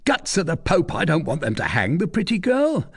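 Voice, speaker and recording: A man's voice: fairly high pitch, huge pitch swings, moderate pace, husky, voice pushed up, heavily acted. A man doing a commanding beggar king. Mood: scheming. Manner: rousing, barking orders.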